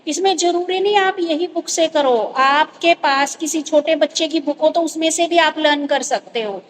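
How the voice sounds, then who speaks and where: A high-pitched woman teaches a grammar lesson, explaining each point patiently and stopping often to check that her students follow. A faint hiss of noise sits under her voice. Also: normal speed, low-quality recording.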